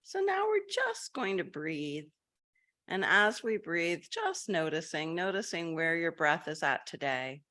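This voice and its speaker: A woman guiding a group meditation, her low voice carrying a crisp, bright edge. She drifts gently from thought to thought, with soft fillers and restarts. She sounds like she is on a video call. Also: big pitch swings, measured pace. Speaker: meditation guide.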